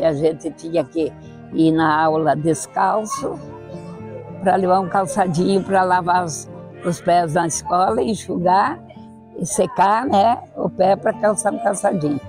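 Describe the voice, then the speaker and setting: A woman's voice: on the low side, gravelly, darkish tone, rough recording. An eighty-year-old woman with a southern Brazilian accent and Italian as her first language, reminiscing in an interview on a lapel mic. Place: outdoor terrace. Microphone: clip-on lapel mic.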